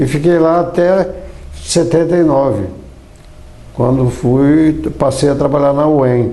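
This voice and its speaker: With audible room echo and noticeable background noise, a man with a fairly high voice and ordinary pitch variation speaks very slowly, leaving long, frequent pauses. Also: very even loudness. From Rio de Janeiro state, Brazil (São Fidélis). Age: 80s+. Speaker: retired professor and journalist. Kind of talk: interview. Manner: halting, self-correcting.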